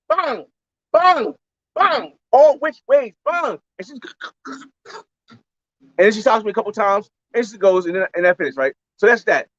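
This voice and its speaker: A man with a high voice for his sex tells a long story in loose, slangy talk, circling back to repeat himself. The sound is dry and a little dull and lo-fi. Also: fairly bright tone, no echo. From United States. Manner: rambling, slangy, repeats phrases. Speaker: travel vlogger. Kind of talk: casual storytelling on a livestream.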